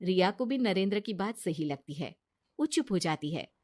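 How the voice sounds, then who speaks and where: A woman narrating a cartoon moral story in a plain, steady storytelling manner. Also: on the low side, moderate pace.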